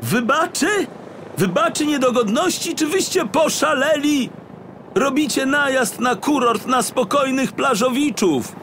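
Man acting out a high, indignant, flustered detective. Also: expressive, measured pace, fairly bright tone, a little hiss or hum, heavily acted. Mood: outraged. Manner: indignant, exclamatory, stammering. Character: flustered, indignant, whiny male detective on holiday. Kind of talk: audiobook character acting for children.

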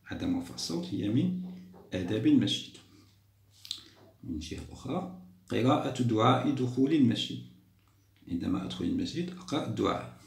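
A man's voice: medium pitch, animated, fairly quick, gravelly, long pauses, a little mellow, reverberant. A man from Algeria, a primary school teacher patiently explaining a test to children, repeating points and praising them.

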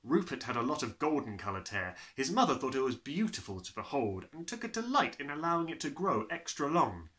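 A man's voice: medium pitch, fairly quick, few pauses. A young man reading a children's story aloud as a theatrical, dramatic narrator. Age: young adult. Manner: theatrical, animated.

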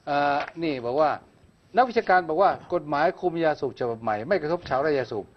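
A man from northern Thailand co-hosts a casual news talk show, talking bluntly and quickly. His voice sits a bit high and he reads out news items in a rough, slangy way. The sound is dull and lo-fi. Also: animated, slight background noise.

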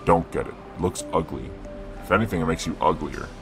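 A man's voice: very deep voice, brisk, creaky, soft background music. A man playing a sinister shadow man in a boy's body, curt, cold and rude, in a roleplay drama. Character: sinister shadow man possessing a teenage boy, rude and menacing. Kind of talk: acted Roblox roleplay drama.

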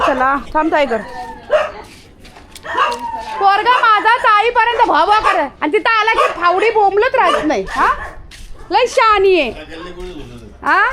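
Brief: high-pitched woman, chatting to her dog in a sing-song voice, steady noise behind her. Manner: coaxing, repetitive, sing-song. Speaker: vlogger talking to her pet dog. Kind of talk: casual coaxing talk to a dog.

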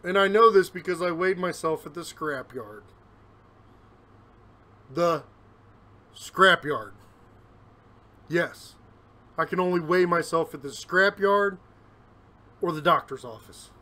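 Man, home vlogger, rambling and self-deprecating, higher-pitched voice, a touch winded, self-shot on a phone. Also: normal speed, pushed and bright. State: a little out of breath. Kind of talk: casual solo vlog. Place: his home. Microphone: phone camera, recording himself.

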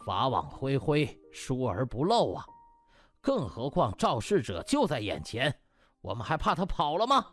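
A man's voice: mid-range voice, huge pitch swings, a little slow, faint music behind. A man voicing a scheming hospital director, pompous and officious, in a comic audiobook. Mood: pompous, placating. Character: smug, scheming male hospital director feigning righteousness.

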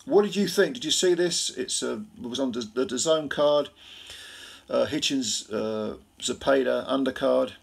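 A man's voice: mid-range voice, moderate pace, vocal fry, husky. A tired man from Britain giving a rambling, casual recap of a boxing fight late at night, full of fillers and restarts. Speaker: boxing commentator.

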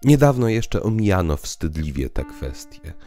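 A man's voice: deep voice, very animated, normal speed, warm tone. A man voicing an earnest, bitter social critic in an audio drama, speaking in emphatic rhetoric. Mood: grave, emphatic. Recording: piano music underneath.

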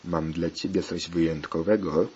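A man's voice: low voice, steady tone, normal speed, warm tone, lightly acted. A man voicing a plain, coaxing male pirate friend, on a dull lo-fi recording. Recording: dull lo-fi recording, faint hiss.

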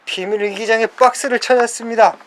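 A woman's voice: fairly high pitch, steady tone, fast, slight background noise. A woman improvising a comic presentation of a toy as she leads a skit.

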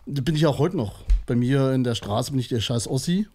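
A man's voice: mid-range voice, brisk, darkish tone, slightly rough. A man from southern Thuringia with a slight East German accent, a comedian guest joking and laughing often in casual podcast chat in a small studio. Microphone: desk mic with headphones.

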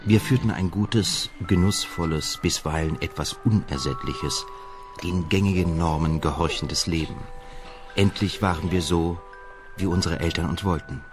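A male actor plays a wry, settled family man with a very low voice, looking back in a radio drama. His narration is measured and reflective, with music clearly audible underneath. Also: lightly acted. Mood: wry reminiscence.

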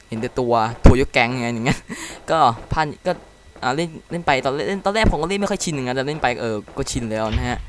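A man giving casual commentary while playing a game. He reacts excitedly and reads the dialogue aloud. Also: mid-range voice, a little hiss or hum. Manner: chatty, explains controls to viewers. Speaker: game let's-play commentator.

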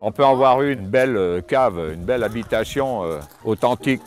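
An older man giving a casual tour of his cave home, talking with many pauses and fillers, recorded on a camera mic as he moves around. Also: medium pitch, faint music behind. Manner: hesitant, many fillers and restarts. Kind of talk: casual spoken house tour. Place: inside stone cave rooms and outdoors by cliffs.

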